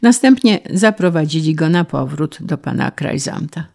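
A woman narrating a folk tale in a deliberate, expressive way. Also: sits low, vocal fry. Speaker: storyteller. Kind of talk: storytelling narration.

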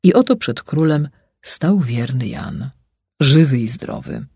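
A man narrating a fairy tale in an expressive, rising and falling way, with a husky voice. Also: mid-range voice, slow, no echo, clean studio sound. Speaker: storyteller.

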